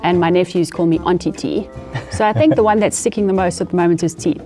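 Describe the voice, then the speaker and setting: A woman's voice: on the low side, fast talker, mellow, soft background music. A middle-aged woman with a South African accent, chatting casually as a guest on a game show. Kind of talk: casual chat.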